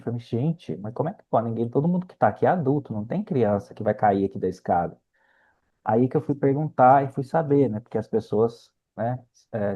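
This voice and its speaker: A middle-aged Brazilian man with a mellow, relaxed voice at an average pitch. He explains things anecdotally as an interview guest, often checking that the listener follows. The recording is slightly dull and lo-fi. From Minas Gerais, Brazil. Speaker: medical researcher, interview guest. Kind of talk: conversational interview storytelling.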